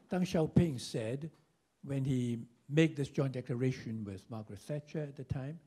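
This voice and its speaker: Older man on a panel, husky voice, wry rhetorical questions, lively ups and downs. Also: medium pitch. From Hong Kong. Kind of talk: panel discussion remarks. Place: conference room with a seated audience. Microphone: handheld mic.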